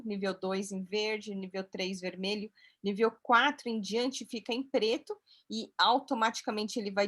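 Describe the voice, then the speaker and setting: A woman's voice: medium pitch, fairly bright tone. Instructive woman explaining on screen. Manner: clear, instructive, encouraging. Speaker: course instructor and interviewer. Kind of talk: explaining software while interviewing.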